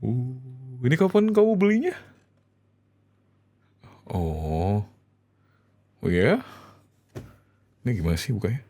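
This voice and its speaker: A man performing an ASMR roleplay as an affectionate, excitable husband talking to his wife, with expressive, hesitant delivery. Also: mid-range voice, slow pace, long pauses.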